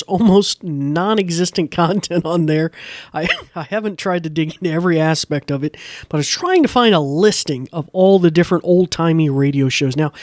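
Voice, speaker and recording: A man's voice: on the high side, a little mellow, no room sound. An American man presenting a podcast in a casual, chatty way, enthusiastic, folksy and rambling. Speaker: podcast host. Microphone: close dry podcast microphone.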